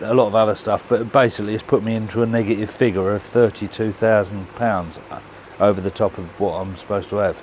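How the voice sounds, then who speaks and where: With an English accent, a man speaks fairly quickly in a fairly low, monotone, flat voice. Background noise is noticeable. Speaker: hobby vlogger. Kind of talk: casual vlog monologue. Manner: soft-spoken, struggles to speak loudly.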